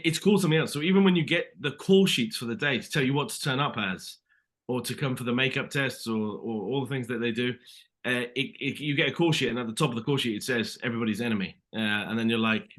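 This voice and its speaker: A British man in his thirties chats as a podcast guest, spinning animated anecdotes. His voice is bright and forward, and he jumps into little acted-out quotes. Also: mid-range voice, fast. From Britain. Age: 30s. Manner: animated storyteller, acts out quotes. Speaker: actor guest. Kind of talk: casual interview chat.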